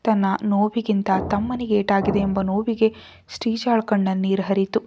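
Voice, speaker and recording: A woman narrating a serialized family drama in a measured, even storytelling manner. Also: mid-range voice, noisy background.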